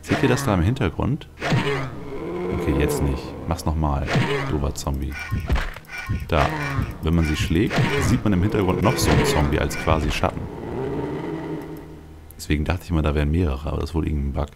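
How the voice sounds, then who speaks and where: A man with a very deep voice full of vocal fry talks through a video game. He rambles casually, thinking aloud as he plays. Game music runs clearly behind him. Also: normal speed, long pauses. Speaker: let's play host. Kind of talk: casual gameplay commentary.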